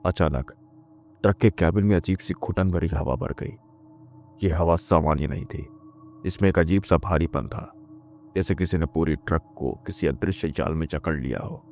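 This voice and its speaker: A man telling a scripted first-person horror story in a slow, measured way. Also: deep voice, creaky, a little mellow, a little hiss or hum.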